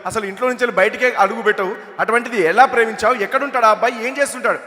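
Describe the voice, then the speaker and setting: A man's voice: extremely high pitch, very fast, pushed and bright. A man voicing a theatrical, lamenting father scolding his teenage daughter, on a reverberant stage. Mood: exasperated. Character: exasperated father of a teenage girl, dramatic.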